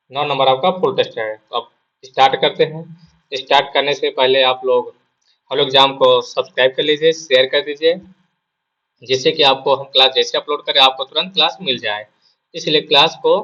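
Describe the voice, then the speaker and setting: A male exam prep teacher with a sore throat gives a casual spoken lesson, repeating his points and asking and answering his own questions. His mid-range voice is bright and forceful, and the sound is lo-fi.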